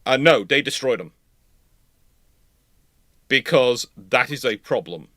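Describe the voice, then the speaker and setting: A man hosting a live panel discussion, answering questions in a measured, emphatic and opinionated way. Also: mid-range voice, expressive, fairly bright tone, no room sound, studio quality. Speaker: live stream host answering viewer questions.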